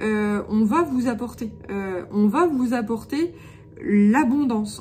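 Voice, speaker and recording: A woman with a fairly high pitch talks with lively intonation. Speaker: spiritual channeler, card reader. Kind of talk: oracle card reading guidance. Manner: hesitant, many fillers; casual, joking.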